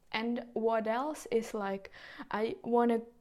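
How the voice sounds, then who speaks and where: A woman speaks with a Swiss German accent and fairly even intonation. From Switzerland. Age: 20s. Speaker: podcast host. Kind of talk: casual solo podcast talk. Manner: halting.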